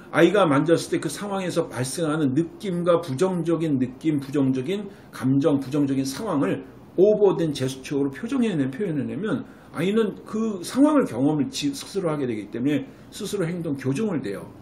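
A middle-aged man, a clinic director, lectures parents on raising children, animated, acting out what a mother might say. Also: on the high side, slight background noise. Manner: animated, acts out a mother's voice when quoting. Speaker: Korean medicine clinic director giving parenting advice.

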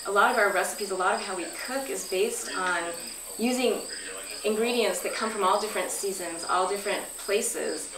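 A woman in her thirties teaching a workshop at a flip chart, asking the group questions as she goes. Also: mid-range voice. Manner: friendly, asks the group questions. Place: outdoor pavilion, standing at a flip chart. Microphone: far camera. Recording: roomy, distant camera audio with noise. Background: insects and crickets.

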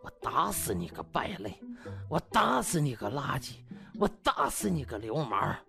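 A man's voice: fairly high pitch, wildly swooping pitch, moderate pace, creaky, over music, full character voice. A man voicing a frail, withered old man ranting angrily in a comic audiobook. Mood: enraged. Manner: ranting, repetitive. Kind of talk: comic audiobook drama acting.

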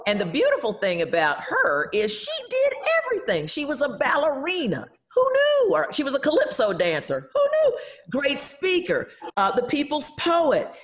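A middle-aged woman hosting a casual video call chat from home, lively and exclamatory, calling out to guests directly. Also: high-pitched, moderate pace. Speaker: host. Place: home room with bookshelves.

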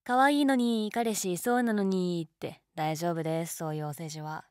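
Low-voiced, teasing college girl played by a woman. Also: steady tone, moderate pace, no echo, clean studio sound, natural voice. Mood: teasing, amused. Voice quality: low-toned. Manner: teasing, casual, gently coaxing. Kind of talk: intimate situation-voice role-play, casual chat.

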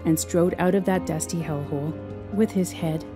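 A woman narrating a scripted audio drama in a measured, expressive, somber manner. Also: lowish voice. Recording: music under the voice. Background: instrumental music.

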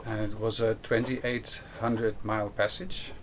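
A man in his forties telling stories in an unscripted interview, speaking in a measured, halting way with pauses. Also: on the low side, level tone. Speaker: interview guest, experienced solo sailor. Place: outdoors in a sailboat cockpit at anchor. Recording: noisy outdoor ambience.

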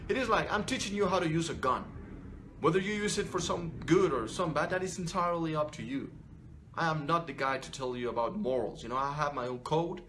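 A man's voice: on the high side, a bit bright. A man in his thirties, an image consultant, talking straight to camera in an unscripted, blunt and profane vlog, full of restarts and "you know". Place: small furnished room indoors.

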